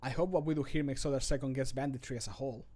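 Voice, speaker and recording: A man's voice: medium pitch, fairly even intonation, very fast, warm tone, natural voice. A melancholic male adventurer from a fantasy game , acted by an amateur man. He is empathetic and wistful, and speaks his lines in a subdued way. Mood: melancholic, hopeful.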